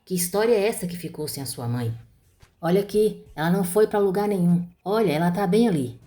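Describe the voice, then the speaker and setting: A woman's voice: fairly low pitch, animated, fairly quick, warm tone, lightly acted. A woman voicing a grieving father who insists his dead wife is still there. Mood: insistent. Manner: falsely cheerful, insistent. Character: grieving middle-aged father in denial.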